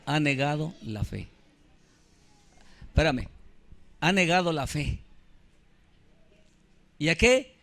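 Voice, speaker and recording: A man's voice: on the high side, expressive, slow pace, gravelly, pauses often, fairly bright tone. A man, preaching a sermon as pastor with emphasis, keeps putting questions to the congregation. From Mexico. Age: 50s.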